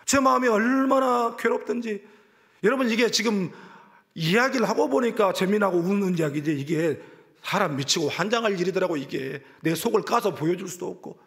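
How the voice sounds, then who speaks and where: A man preaching a sermon in a church, telling a personal story with passion, rising loud and then dropping to hushed whispers. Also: high-pitched, lively intonation, normal speed. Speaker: pastor. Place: church sanctuary.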